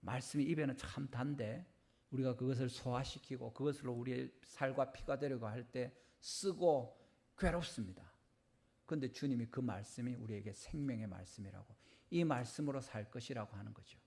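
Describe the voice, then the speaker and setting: A middle-aged pastor delivers an earnest Sunday sermon, often acting out conversations in quoted lines. His voice has a gravelly edge and sits at a middle pitch for a man. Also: normal speed, darkish tone.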